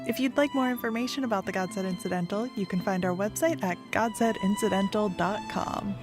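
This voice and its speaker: A woman's voice: mid-range voice, a little fast, natural voice. A woman playing an infomercial-style announcer in a scripted comic trailer for an audio drama. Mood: mock-earnest. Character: infomercial-style pitchwoman for absurd comedy drama. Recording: loud plucked guitar music underneath. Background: plucked guitar music.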